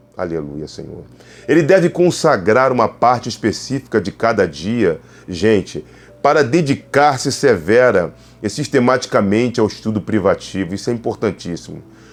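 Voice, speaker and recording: A man's medium-pitched voice with vocal fry, very wide pitch swings, and a moderate pace. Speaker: preacher. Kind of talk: sermon.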